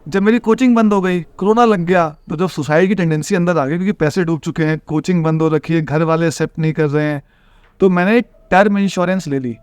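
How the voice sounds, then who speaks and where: A man from Bihar speaks with a notably high, smooth voice, recorded close and dry. He is an earnest guest who gives advice and talks through his lessons. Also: dry recording. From Bihar, India. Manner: earnest, advice-giving, calls the host brother. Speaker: trader and IIT coaching teacher, podcast guest. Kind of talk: casual interview talk.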